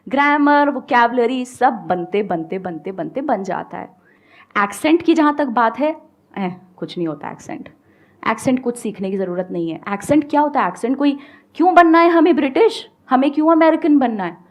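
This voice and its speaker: Young woman, Indian accent, slightly high pitch; animated motivational speaker working a live meet-up audience. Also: moderate pace. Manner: lively, mixes Hindi and English, rhetorical questions. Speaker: guest speaker, English teacher.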